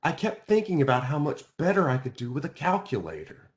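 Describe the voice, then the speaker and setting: A man reading a children's storybook aloud as scripted narration, with expressive, emphatic phrasing. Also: on the high side, a little fast. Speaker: author reading their own children's book aloud.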